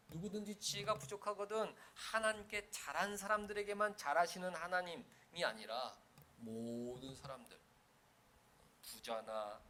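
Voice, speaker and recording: A man's voice: medium pitch, a bit bright, slight background noise. A man preaching a sermon as pastor. He speaks with emphasis, repeats key phrases and acts out short prayers and dialogues.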